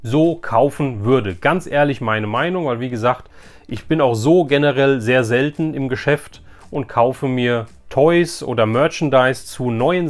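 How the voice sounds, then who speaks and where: A man hosting a casual, unscripted vlog, thinking aloud and addressing his viewers directly in colloquial language. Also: fairly high pitch. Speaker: YouTube host reviewing an unboxed loot box.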